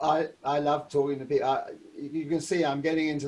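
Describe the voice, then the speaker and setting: A man speaks in a southern English accent at a fairly quick pace. His voice is somewhat breathy, with monotone, flat intonation. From southern England (London, Brighton). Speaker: speaker and coach. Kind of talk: interview conversation.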